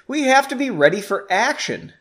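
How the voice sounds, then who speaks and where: Curt scolding young mage woman, read aloud by a narrator, lively pitch. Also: normal speed. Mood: stern. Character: stern young female mage spy.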